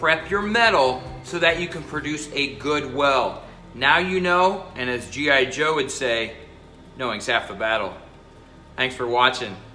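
A man speaks at a fairly slow pace as faint music runs in the background. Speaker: welding instructor. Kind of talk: tutorial. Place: workshop.

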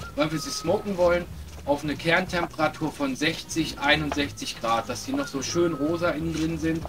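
A man at a fairly slow pace with ordinary pitch variation, clear music in the background. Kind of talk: cooking tutorial. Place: garden. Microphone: camera far.

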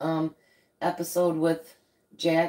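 In a quiet background, a woman speaks with a fairly low pitch. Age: 50s. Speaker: homestead cooking channel host. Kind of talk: casual live-stream cooking chat. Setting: home kitchen live stream. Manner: animated. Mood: relaxed, chatty. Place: kitchen. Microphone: phone near.

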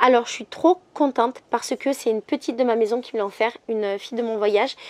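A woman's fairly high voice moves at a fairly quick pace with ordinary pitch variation. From France, banlieue cité, Maghrebi family. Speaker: book and lifestyle youtuber; lifestyle youtuber. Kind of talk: casual book review vlog. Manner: animated. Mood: cheerful, enthusiastic. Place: home room.

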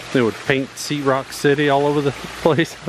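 At a moderate pace, the voice sounds dry with no echo, though noticeable background noise is present. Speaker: travel vlogger. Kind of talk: casual vlog chat. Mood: playful, joking. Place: garden. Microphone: phone near.

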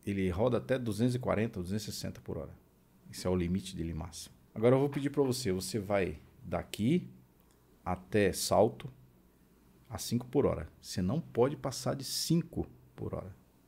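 A man with a fairly low pitch and a dark, mellow tone speaks with vocal fry and very wide pitch swings. His pace is fairly slow, with long, frequent pauses. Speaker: trumpet player and teacher; podcast guest. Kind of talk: interview; interview answer. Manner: moderate volume, conversational. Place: studio. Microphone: studio mic.

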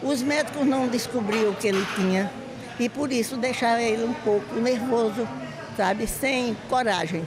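A woman is heard over noticeable background noise. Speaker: interviewee. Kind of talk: interview answer. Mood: warm, grateful. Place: gym. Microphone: handheld.

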